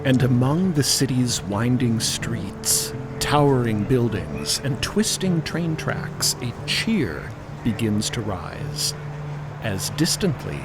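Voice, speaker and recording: A man reading scripted dramatic narration in a measured, descriptive storytelling manner. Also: medium pitch, sing-song. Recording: loud music under the voice. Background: loud music bed.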